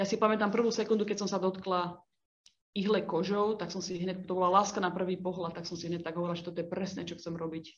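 A woman's very fast, somewhat breathy speech with monotone, flat intonation. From Slovakia, rural village. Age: 40s. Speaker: tattoo artist; guest. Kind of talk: online student discussion interview. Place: home room. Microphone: video call.

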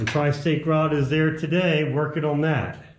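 A man speaks with audible room echo. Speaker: tour guide. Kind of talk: guided tour commentary. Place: tunnel cave. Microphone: phone near.

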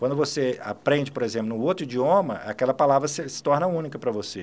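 Talking at a very fast pace, a man with a Brazilian accent uses ordinary pitch variation. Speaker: army veteran. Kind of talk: podcast interview, casual storytelling. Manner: animated, informal with slang. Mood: cheerful, joking anecdotes. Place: studio. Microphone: studio mic.

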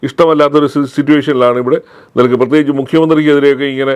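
A man's fairly high voice stays fairly even in intonation as he talks. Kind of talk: political analysis interview. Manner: halting, many pauses.

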